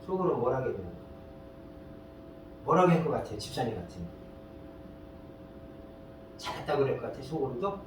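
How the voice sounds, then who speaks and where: A man's voice: sing-song, a little fast, pauses often. Pastor guy preaching, keeps asking the crowd questions, sounds far away in a really echoey church. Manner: fires rhetorical questions and prods listeners with "eh?"; colloquial, storytelling preacher. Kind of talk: sermon. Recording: very echoey hall, distant mic, faint rumble.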